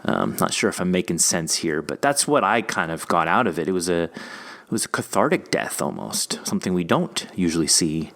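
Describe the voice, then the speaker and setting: Man, podcast host, lowish pitch, casual discussion, earnest, thinking aloud. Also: big pitch swings, normal speed, gravelly, a bit bright. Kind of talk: casual discussion of an audio drama episode.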